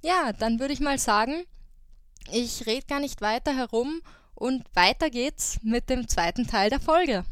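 A woman's voice: a little high, animated, a little slow, clear, resonant tone. A woman, hosting a podcast chat and reading out listener survey answers. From Austria. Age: 20s. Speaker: podcast host.

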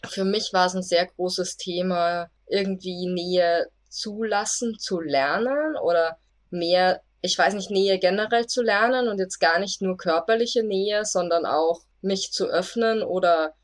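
A woman's voice: fairly low pitch, unhurried. A person in their twenties from Austria with a woman-sounding voice, hosting a podcast in a friendly, slightly hesitant way. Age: 20s. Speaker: podcast host. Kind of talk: casual podcast chat.

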